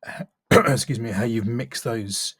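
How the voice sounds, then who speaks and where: A man's voice: mid-range voice, unhurried, a bit bright, husky, no room sound, clean studio sound. A man working as a voice-over coach, giving a casual, thoughtful spoken critique and stressing key words. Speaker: voice-over coach reviewing demo reels.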